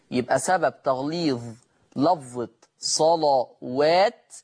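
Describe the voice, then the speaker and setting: Chanting sheikh teaching recitation. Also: male voice, a little high. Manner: slow melodic chanting of verses, brisk conversational explanations. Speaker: Quran recitation teacher and host. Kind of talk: Quran recitation lesson.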